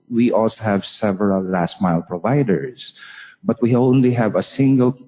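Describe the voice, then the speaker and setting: A man giving measured, orderly remarks to an online conference as a panel representative. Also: sits low, mellow. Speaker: panel representative reporting from a local chapter. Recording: echoey hall with long reverb.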